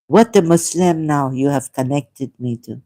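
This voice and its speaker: A non-native English speaker hosting a solo video, rambling casually in a halting, giggly, digressive way and reading out bits of anecdote. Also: mid-range voice, mellow. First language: not English.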